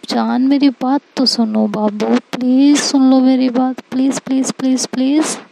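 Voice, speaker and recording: A woman's voice: high voice, little pitch movement, unhurried, vocal fry, noisy background. A woman voicing a playful young woman who teases and coaxes her upset wife in a pleading, sing-song way. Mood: coaxing.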